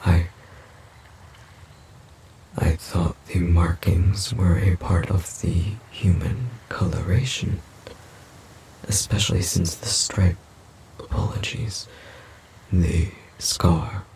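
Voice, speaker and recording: A man playing a gentle, puzzled forest demon in an audio roleplay, speaking haltingly and formally in a breathy, gravelly half-whisper. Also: low-pitched, a little hiss or hum, exaggerated voice, poor audio. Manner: halting, formal, literal-minded speech. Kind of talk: audio roleplay, slow character acting.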